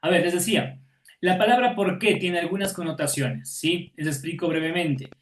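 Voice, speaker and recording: A man's voice: on the high side, moderate pace, reverberant. A man teaching an online class, patiently explaining and checking in with his students after every point.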